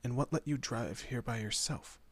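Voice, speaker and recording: A man's voice: medium pitch, normal speed, slightly rough, dry recording, lightly acted. A man playing a teasing, protective monster detective in a horror roleplay audio, talking casually to his human partner. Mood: teasing, bickering. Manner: casual, teasing, muttered asides. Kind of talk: horror roleplay audio drama, addressing the listener.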